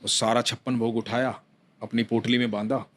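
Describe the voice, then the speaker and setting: A man narrating a devotional story with unhurried, repetitive phrasing. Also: mid-range voice, flat delivery.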